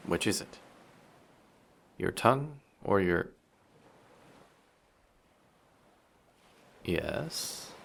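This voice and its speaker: Man playing a low, slow, dangerous sea monster. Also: gravelly, a bit bright, slight background noise, heavily acted. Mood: teasing, pondering. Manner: measured, politely menacing, teasing. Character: flirty, dangerous, possessive male sea monster in human guise. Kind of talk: intimate roleplay audio drama.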